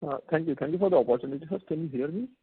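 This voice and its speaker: A man asking questions as an analyst on a conference call, polite and halting, often repeating words. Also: fairly high pitch, husky, no room sound. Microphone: phone handset. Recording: tinny narrow phone line.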